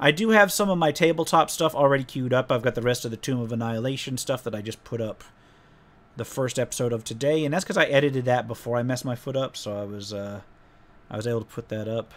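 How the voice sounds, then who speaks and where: Here a man talks at a very fast pace in a medium pitch. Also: ordinary pitch variation. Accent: American. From Texas. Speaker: gaming video creator. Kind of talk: live gameplay commentary; reading game text aloud. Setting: live stream. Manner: casual, rambling with fillers.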